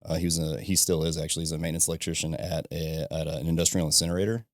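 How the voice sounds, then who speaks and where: Gravelly deep-voiced man in his thirties. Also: racing, dry recording, clean studio sound. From southern Illinois, USA. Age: 30s. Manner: relaxed and chatty, laughs often, leans on "you know what I mean". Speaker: podcast guest, ironworker and business owner. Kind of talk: casual conversation. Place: podcast studio.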